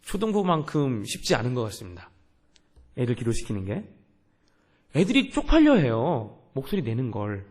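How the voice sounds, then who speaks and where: A man's voice: medium pitch, wildly swooping pitch, moderate pace, darkish tone. A young man, a youth pastor, preaching a sermon in an earnest way and asking the congregation questions.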